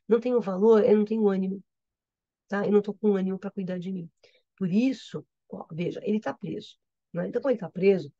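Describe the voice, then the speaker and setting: Brief: Brazilian woman literature teacher, mellow, dry close sound, explains and repeats, checks understanding. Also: medium pitch, no room sound, highs cut off. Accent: Brazilian Portuguese. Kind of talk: reading and explaining a poem in a lesson.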